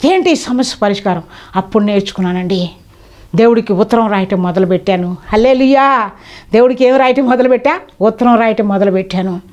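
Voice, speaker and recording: A middle-aged woman preacher with a Telugu accent, delivering an impassioned sermon that swings between loud calls and low confiding tones. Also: brisk. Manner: acts out voices in her stories. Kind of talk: sermon with testimony.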